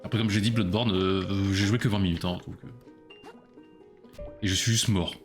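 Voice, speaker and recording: A man's voice: low voice, steady tone, moderate pace. Man, live game commentary, chatty, self-mocking, faint music underneath. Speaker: streamer. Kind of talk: casual live gameplay commentary.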